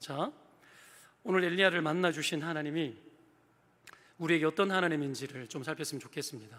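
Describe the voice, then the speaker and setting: This speaker is a man with a high pitch. He moves along at a fairly quick pace. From Gyeongsang Province, South Korea. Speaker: pastor. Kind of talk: sermon. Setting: church. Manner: fast; animated.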